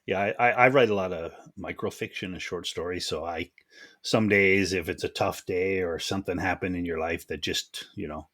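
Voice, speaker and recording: Very deep-voiced podcast host. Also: male voice, fairly even intonation, moderate pace, a bit bright. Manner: easygoing, chatty, laughs along. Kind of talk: casual interview chat.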